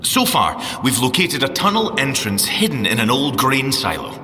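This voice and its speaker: Playful scottish science agent, swoopy lively voice, teasing, bit theatrical, echoey radio drama. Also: male voice, medium pitch, normal speed, a little hiss or hum. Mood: chatty, earnest. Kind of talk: audio drama acting.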